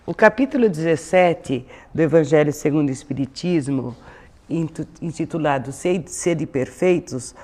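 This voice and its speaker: A woman's voice: low voice, expressive, normal speed, mellow. A woman with a Brazilian accent giving an informal religious talk as a lecturer, in a didactic manner with frequent tag questions. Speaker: spiritist lecturer.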